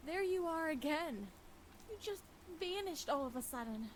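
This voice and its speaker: A woman's voice: sits high, lively intonation, moderate pace, slight background noise, poor audio. A woman acting out a troubled, suspicious wife from a horror visual novel, with theatrical delivery. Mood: uneasy, determined. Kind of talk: reading visual novel dialogue dramatically.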